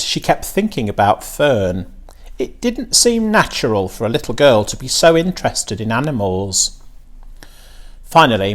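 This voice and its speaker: Male storybook narrator: mid-pitched, slow and measured, with very varied intonation. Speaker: story reader.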